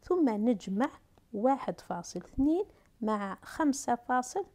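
A woman's voice: a little high, very animated, mellow. A woman teacher with an Algerian Arabic accent, explaining unit conversions step by step and answering her own questions. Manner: talks through steps slowly, asks and answers herself. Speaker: math and physics teacher. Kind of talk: whiteboard lesson for middle school.

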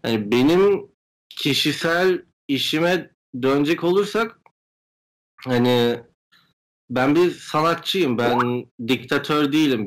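A man's voice: medium pitch, low-quality recording. A young man, a guest artist, explaining his work and views in an interview over a video call. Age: young adult. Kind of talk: interview answers, explanatory talk. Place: indoor room at home, video call. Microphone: video call microphone.

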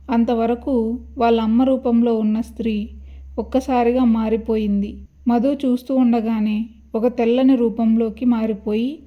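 A woman narrating a scripted horror story in a steady, dramatic storytelling manner. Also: a little high, lo-fi sound.

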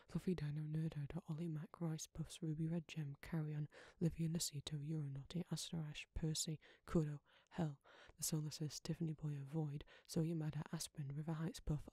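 An ASMR creator softly reading out a list of names in a hushed voice that often slips into a whisper. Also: mid-range voice, husky, no echo.

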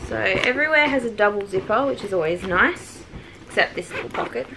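Mum vlogger, easy and chatty, mid pitch, clear background noise at home. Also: female voice, a little fast. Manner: chatty and relaxed, with many "like" fillers. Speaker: vlogger reviewing a product. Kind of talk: casual home product review. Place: family home with children nearby. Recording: clearly noisy home recording.

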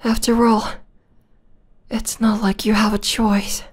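Woman playing a slow, soft-spoken obsessive vampire girl. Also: fairly high pitch, flat delivery. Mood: lovingly obsessed. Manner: soft, breathy, intimate, often dropping into whispers. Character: obsessive, possessive young vampire girl, sweetly menacing lover. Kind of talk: ASMR roleplay.

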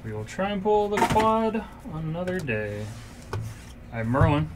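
Slow, offhand man calling out cards. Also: fairly high pitch, sing-song, very noisy. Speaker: card break host. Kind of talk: casual live card-break commentary. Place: indoor card shop room.

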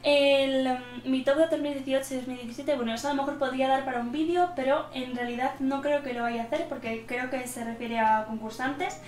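An eighteen-year-old woman from central Spain, casually answering viewer questions in a quick, nervous way, stumbling over words and laughing often. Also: high voice, fairly even intonation, echoey room. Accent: Spanish from central Spain. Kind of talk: casual Q&A vlog. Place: small room indoors.

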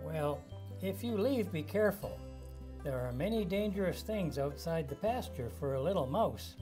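A kind, motherly farm cow in a children's puppet show, voiced by a woman. The voice is lower, gentle and caring. Soft music plays faintly. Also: lively intonation, moderate pace, lightly acted.

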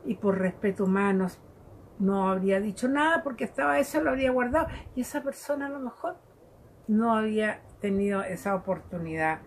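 Woman preaching, gentle and conversational, mid-pitched voice, faint background noise. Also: animated, fairly quick. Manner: gentle, conversational, laughs often. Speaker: lay preacher. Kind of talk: devotional Bible reflection.

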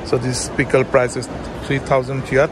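A man giving a walking tour of a shopping mall, pointing out shops in plain, halting sentences with fillers. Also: medium pitch, flat delivery. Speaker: travel vlogger. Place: busy shopping mall, indoors. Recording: loud crowd and mall noise behind.

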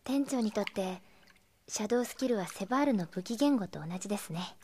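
A woman playing a rough, excitable young warrior in a radio drama, blunt and easily flustered. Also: medium pitch, brisk, slight background noise, close to an everyday voice. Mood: gentle, earnest. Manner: blunt, excitable, stammering when cornered. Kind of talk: Japanese radio drama acting.

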